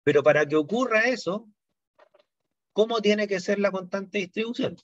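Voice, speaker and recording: A man's voice: high-pitched, lively intonation, moderate pace, no room sound, lo-fi sound. A middle-aged man lecturing on chemistry to a university class, explaining step by step and checking in with his students often. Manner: explanatory, frequent "¿no es cierto?" and "¿ya?" check-ins.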